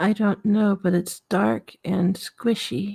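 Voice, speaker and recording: A woman puts on a raspy character voice at a medium pitch. She speaks at a very slow pace. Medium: cartoon. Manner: dazed, hesitant.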